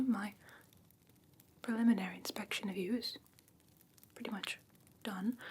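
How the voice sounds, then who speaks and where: A woman acts out a doting fae creature in a whispered ASMR fantasy roleplay. Her voice is soft, breathy and a little high, with gentle, genteel phrasing and a faintly haughty sweetness. There is slight noise behind the close whisper. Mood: pleased, excited. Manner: gentle, genteel wording with coaxing endearments.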